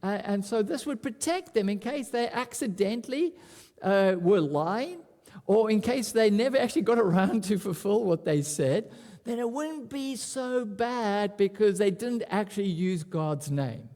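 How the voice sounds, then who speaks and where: A man preaching a sermon at a pulpit microphone, animated and often repeating words as he restarts. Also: sits high, a little slow, big-room sound. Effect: speaking at a pulpit microphone. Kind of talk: expository sermon.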